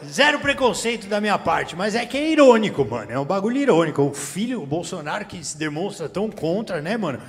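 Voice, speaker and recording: Speaking fast with hardly a pause, a Brazilian man throws big pitch swings into his high voice as he roasts the crowd in vulgar slang. It's a stand-up set on a theater stage with a handheld mic, amid audience laughter, reverb and faint room noise.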